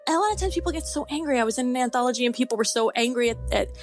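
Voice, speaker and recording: A woman in her forties chatting casually as an interview guest, effusive and excitable, often exclaiming. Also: fairly high pitch, very fast, soft background music. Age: 40s. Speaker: guest horror author.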